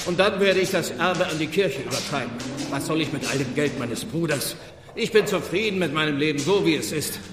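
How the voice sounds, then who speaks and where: An actor playing an earnest, self-righteous village reverend in a German radio play, with a solemn, formal and guarded delivery. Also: male voice, on the high side, lively intonation, brisk, close to an everyday voice. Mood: solemn, resentful. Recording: echoey stone church space, noisy background.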